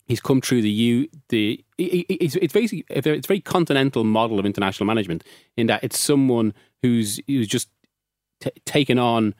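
A man's voice: mid-range voice, brisk, darkish tone, no echo. Chatty Irish man, dry close sound. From Ireland. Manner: chatty, restarts often, laughs easily. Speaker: football journalist. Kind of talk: casual podcast discussion.

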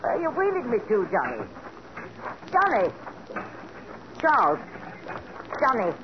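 A stubborn, sharp-tongued old woman of seventy-nine in a 1940s radio drama. She talks in a tart, commanding way. The old broadcast sounds muffled, with a faint hiss behind it. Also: fairly high pitch, wildly swooping pitch, a little slow. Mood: frightened. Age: older. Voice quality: tart, imperious.

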